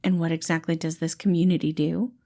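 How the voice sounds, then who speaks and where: A woman's voice: deep voice, level tone, fairly quick, dark tone. Woman as a guarded, suspicious little man. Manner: suspicious, reluctant, curt. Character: wary, guarded tiny male borrower, protective and terse.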